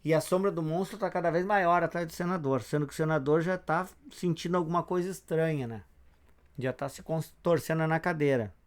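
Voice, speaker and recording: A man's voice: fairly high pitch, brisk. A man reading a western comic aloud in a casual retelling, narrating the panels and reading the characters' lines. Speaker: comic reader.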